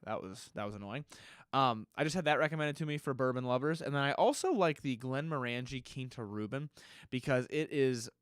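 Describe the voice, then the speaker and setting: A man's voice: mid-range voice, lively intonation, a little fast, clear, resonant tone, no echo, studio quality. Stuffy-nosed man, casual and rambling. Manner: loose and rambling, with frequent self-corrections. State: slightly stuffy nose. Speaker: podcast host. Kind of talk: casual solo podcast answering listener questions.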